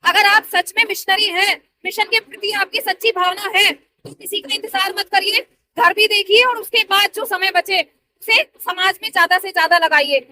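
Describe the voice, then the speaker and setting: A woman's voice: extremely high pitch, steady tone, moderate pace, bright, forceful tone, poor audio. A woman in her thirties, a party worker answering interview questions in an earnest, persuasive way. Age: 30s.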